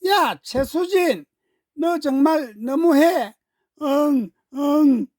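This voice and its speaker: A woman's voice: sits high, animated, extremely slow, a little mellow, dry recording, pitched above the performer's own voice, full character voice. A woman voicing an indignant, easily wounded young schoolgirl in a children's story, protesting as if close to tears. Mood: hurt, tearful.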